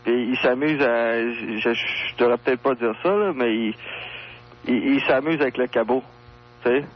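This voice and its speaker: A man in his late twenties calls a radio show, speaking with a thick Quebec French accent. His talk is casual, crude and halting, full of slang. The sound is dull and lo-fi, with a hum on the line. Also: mid-range voice. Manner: crude, slangy, hesitant speech.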